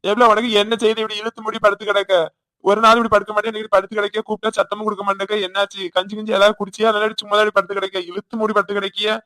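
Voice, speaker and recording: A man voicing a quick-tempered village husband in a cartoon, with a Tirunelveli Tamil accent and a nagging, hectoring way of talking. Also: high voice, monotone, bright, forceful tone, dry recording. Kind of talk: cartoon voice acting.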